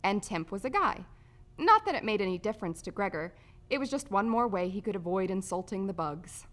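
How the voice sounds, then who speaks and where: A woman's voice: mid-range voice, sing-song, brisk, a bit bright. A woman working as a voice-over artist, reading scripted narration.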